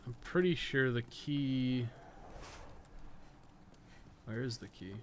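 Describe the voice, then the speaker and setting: A man's voice: medium pitch, takes it slowly. A man giving casual, rambling live gameplay commentary, thinking aloud and swearing freely as he goes. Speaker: game streamer and podcast co-host. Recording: clearly noisy stream audio.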